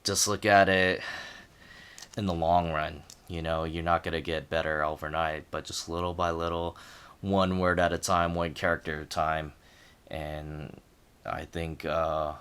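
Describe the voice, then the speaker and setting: A man with a very deep voice that stays clean and resonant. He chats casually and reflectively, as if to a camera, feeling his way through halting phrases and repeating words as he goes. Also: flat delivery, a bit bright, smooth. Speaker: language learner sharing progress.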